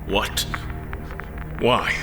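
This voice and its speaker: An actor playing a proud, haunted old admiral, narrating a horror audio drama in a grave, formal manner. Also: male voice, drawn-out words. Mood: bewildered. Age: older. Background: loud music.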